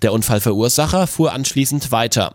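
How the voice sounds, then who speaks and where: A man reading local news bulletins in a steady, formal voice at a middle pitch. The sound is close and dry, with no room around it. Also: fairly quick, dry recording. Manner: even, formal delivery. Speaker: newsreader. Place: radio studio. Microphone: close studio microphone.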